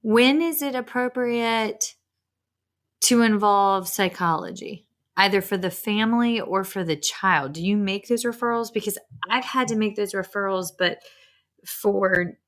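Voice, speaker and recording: Bright-voiced woman host at mid pitch, chatty and self-deprecating, asks questions in a casual way. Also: unhurried. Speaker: podcast host. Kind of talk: conversational podcast interview.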